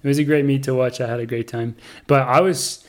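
Young NZ male co-host, laid-back rambling chat, flat intonation. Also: mid-range voice, fairly quick. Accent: New Zealand. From New Zealand. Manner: relaxed, rambling, laughs often. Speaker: podcast co-host. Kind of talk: casual chat.

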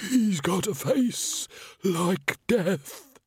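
Whiny shaken painter bloke in a storybook, high pitched, excitable, swoops about. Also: male voice, takes it slowly, vocal fry, no room sound, studio quality, full character voice. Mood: horrified. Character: shaken, self-important male scenery painter, whining and aggrieved.

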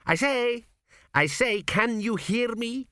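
An earnest, flustered young king, as a man puts him on, his voice lifted a little above the narrator's. He talks eagerly and a touch too loud. Dry studio sound. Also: very high voice, animated, takes it slowly, smooth, dry recording, voice pushed up, heavily acted. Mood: loud, awkward. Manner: eager, a little raised and nervous.

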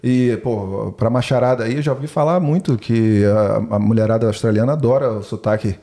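A man's voice: mid-range voice, a little fast, dark tone. A man co-hosting a podcast, joking around in slangy casual chat. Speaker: podcast co-host.

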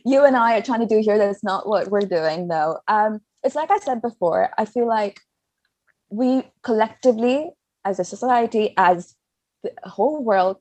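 A woman's voice: medium pitch, a little mellow, no room sound. A young woman studying law, talking in casual chat, blunt and passionate and cursing freely. English is not her mother tongue. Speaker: law student.

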